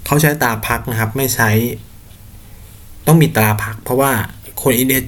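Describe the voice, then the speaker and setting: A man's voice: mid-range voice, moderate pace. Blunt slangy man hosting a podcast. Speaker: podcast host. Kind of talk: casual solo commentary.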